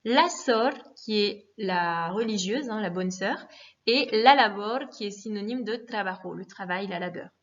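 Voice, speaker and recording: A woman teaching a lesson in a patient, methodical way, repeating forms and pausing with fillers. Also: mid-range voice. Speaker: Spanish teacher. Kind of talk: recorded classroom lesson. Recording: dull lo-fi recording.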